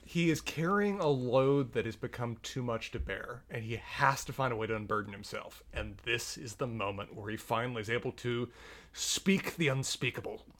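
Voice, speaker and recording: A man co-hosting a casual show recap, speaking in a measured, wry way. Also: medium pitch, a bit bright. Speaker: podcast co-host.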